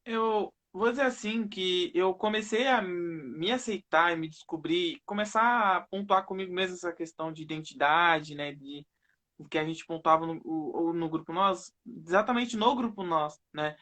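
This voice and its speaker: A man's voice: high-pitched, moderate pace, bright, forceful tone. A young man with a Brazilian Northeastern accent, speaking as a guest on a live video call and ending nearly every phrase with a questioning tag. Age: young adult. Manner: tags almost every phrase with "né?". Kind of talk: personal testimony in a live interview.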